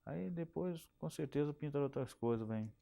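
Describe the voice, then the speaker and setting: A man's voice: fairly high pitch, lively intonation, normal speed, gravelly, mellow. A middle-aged man with a Minas Gerais Brazilian accent, recalling his working life in an oral history interview, often repeating and restarting words. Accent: Brazilian Portuguese, Minas Gerais. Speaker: interviewee, telephone company technician.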